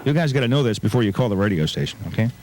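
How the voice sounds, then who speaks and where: A man's voice: medium pitch, animated, racing, a little mellow, a little hiss or hum. A man hosting a morning radio show, moving between chat and live ad reads. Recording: radio aircheck with music behind.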